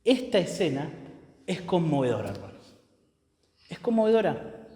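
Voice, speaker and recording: Guy preaching, pretty high voice, big swings loud to quiet, lots of reverb like a church hall. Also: very animated, moderate pace. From Argentina. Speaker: pastor. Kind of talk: sermon. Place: church sanctuary.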